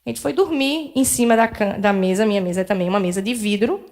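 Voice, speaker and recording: A woman's voice: mid-range voice, fast, darkish tone. A middle-aged woman, telling a personal story as a lecturer at a spiritist center, candid and self-deprecating, acting out dialogue with shifting voices. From Northeast Brazil.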